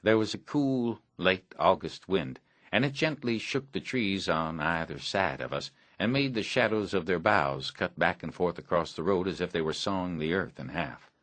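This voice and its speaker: Deep-voiced man narrating an audiobook. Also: expressive, normal speed, a bit bright, no room sound. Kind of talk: scripted first-person narration.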